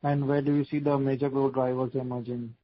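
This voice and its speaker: A man putting formal, measured investor questions on an earnings call. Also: medium pitch, little pitch movement, no echo. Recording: dull, dry conference call line.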